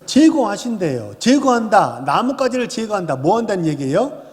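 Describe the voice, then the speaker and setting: Animated high-voiced male pastor preaching. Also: normal speed. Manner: animated, keeps asking the congregation questions. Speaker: senior pastor. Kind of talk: sermon. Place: church sanctuary. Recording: long church hall reverb.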